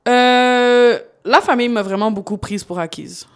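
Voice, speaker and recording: A woman's voice: fairly high pitch, a little slow, clean tone. A woman guest on a live podcast, telling her story candidly and laughing often. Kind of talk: casual live podcast chat. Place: studio. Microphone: podcast microphone.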